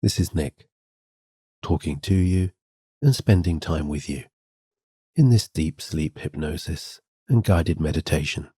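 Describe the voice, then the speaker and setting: Very deep, dark-toned soothing man. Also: breathy edge, no room sound, clean studio sound. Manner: gentle, soothing, unhurried guiding delivery. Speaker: sleep hypnosis guide. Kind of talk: guided meditation, scripted hypnosis talk-down.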